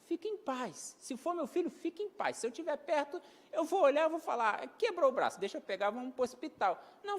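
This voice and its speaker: A man preaching an emphatic sermon on parenting, repeating key phrases and acting out everyday dialogue. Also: very high-pitched. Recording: long hall reverb.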